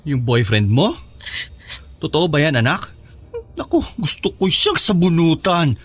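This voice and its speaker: A man's voice: a little high, very animated, a little slow, breathy edge, heavily acted. An actor with a Filipino accent playing a tender, forgiving, flamboyantly gay middle-aged father in a radio drama, affectionate and consoling. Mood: shocked, indignant.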